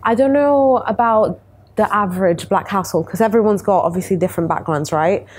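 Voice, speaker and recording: A woman's voice: medium pitch, fairly quick, breathy edge. A young woman in her twenties, a panel guest talking candidly and chattily in a casual discussion, laughing easily. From Italy. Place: bright studio room, city view.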